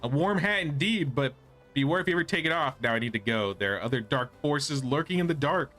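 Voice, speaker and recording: A man's voice: fairly high pitch, animated, a little fast, fairly bright tone, faint music behind. A man voicing a cryptic, mystical video game quest-giver in a solemn, instructive way. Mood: approving, cautionary. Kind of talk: reading game character dialogue aloud.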